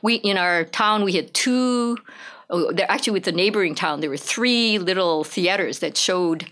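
Woman from hawaii, lowish voice, rambly and chatty, ums and little laughs, talking about her field. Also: moderate pace, fairly bright tone. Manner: chatty, with frequent fillers and light laughs. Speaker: professor of Japanese literature. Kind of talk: casual interview talk.

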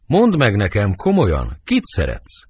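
A man's voice: lowish voice, wildly swooping pitch, a little mellow, husky, dry recording, clean studio sound, exaggerated voice. A man reading the part of Benvolio, an earnest young friend, coaxing with questions in verse for an audiobook.

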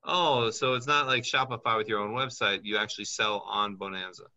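A man's voice: on the low side, fairly even intonation, a little fast, bright, forceful tone. A man working as a business consultant, talking in a chatty way and thinking aloud as he reads up on things during a call. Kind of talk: casual advice call.

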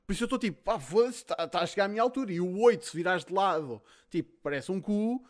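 A man's voice: sits high, lively intonation, fast. A man with a European Portuguese accent hosting a livestream in a casual, sweary chat style. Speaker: livestream host.

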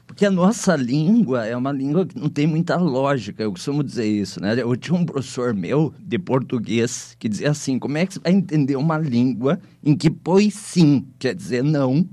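A man's voice: medium pitch, expressive, normal speed, few pauses, mellow, no echo. Brazilian man hosting, close dry sound. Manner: often checks in with tag questions. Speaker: podcast host. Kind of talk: casual conversational interviewing.

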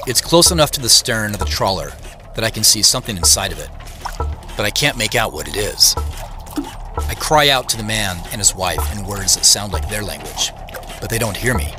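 A man playing an earnest, reflective tech executive, narrating and speaking in an audio drama in a measured, understated way. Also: fairly low pitch, animated, music in the background, lightly acted. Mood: hushed wonder. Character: reflective Seattle tech CEO, earnest man narrating his own story. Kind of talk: first-person scripted audio drama narration and dialogue.

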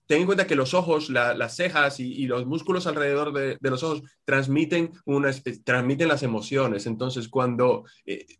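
A man from Spain with a Spanish accent, a communication trainer giving measured, instructive answers in an interview over a video call. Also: medium pitch, fairly even intonation, a bit bright. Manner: measured, instructive, slows down on key words.

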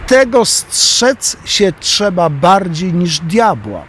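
An older radio columnist with a slightly high voice reads his piece with pointed emphasis, leaning hard on key words. A faint hiss of noise sits behind him throughout. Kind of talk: read opinion column.

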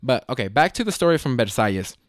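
A man's voice: mid-range voice, big pitch swings, fast, dry recording, studio quality. Rambling young man telling a story. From Las Vegas, USA. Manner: rambling, self-correcting, slangy. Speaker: vlogger. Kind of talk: casual storytelling.

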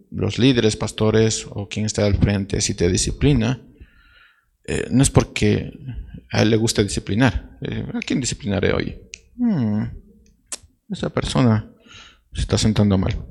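A man's voice: lowish voice, gravelly, a little mellow. A man preaching a sermon as pastor, directly questioning his congregation.

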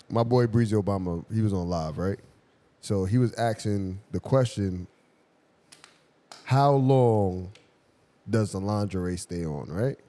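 A man's voice: medium pitch, dark tone. A man on a talk panel chatting casually, telling slangy stories and acting out what people say. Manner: slangy storytelling, acts out quotes. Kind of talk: casual group chat. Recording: long echoing room reverb.

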